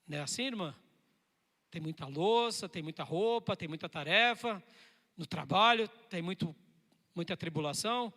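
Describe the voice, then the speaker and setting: A male pastor delivers a sermon in a high, bright voice. He swings between emphatic loud bursts and soft, intimate lines. The church hall gives his voice a long reverb. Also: animated, moderate pace. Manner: emphatic preaching with sudden loud and soft turns.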